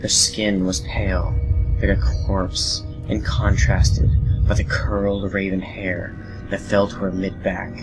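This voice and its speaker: A man's voice: deep voice, little pitch movement, takes it slowly, poor audio. A man giving scripted narration for a horror story as the narrator of an audio drama. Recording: loud music under narration.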